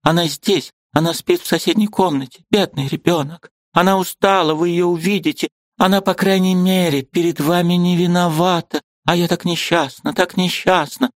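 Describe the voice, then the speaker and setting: Guy putting on a high teary wife voice, begging and sobbing, dry close sound. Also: fairly even intonation, moderate pace, hardly any pauses, no echo, natural voice. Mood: despairing. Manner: high pleading falsetto, sobbing lament. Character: remorseful pleading young wife, tearful, theatrical.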